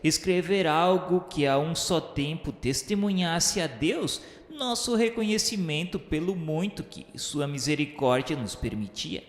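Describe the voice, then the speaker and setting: An actor with a Brazilian accent playing a solemn male spirit narrator in a radio drama, speaking in formal, measured, declamatory literary phrases. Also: fairly high pitch, animated. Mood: solemn, reverent. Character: solemn male spirit recounting his afterlife studies and remorse. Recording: echoey hall reverb under music. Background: background music.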